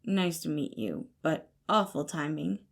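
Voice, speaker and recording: A woman's voice: deep voice, animated, measured pace, vocal fry, husky, exaggerated voice. A woman voicing a guarded, weary young man in an audio story, dry, blunt and unenthusiastic.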